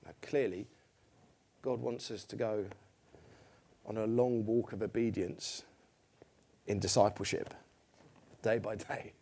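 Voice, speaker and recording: A man's voice: fairly low pitch, steady tone, measured pace, long pauses, darkish tone. A middle-aged man preaching a sermon in a church, conversational and self-deprecating, putting questions to the congregation.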